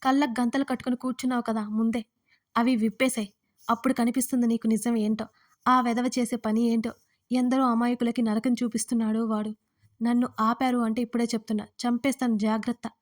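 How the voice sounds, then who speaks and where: A woman voicing a furious, desperate mother who shouts threats and accusations in a dramatic audio story. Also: a little high, flat delivery, a little fast, natural voice. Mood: angry, accusing.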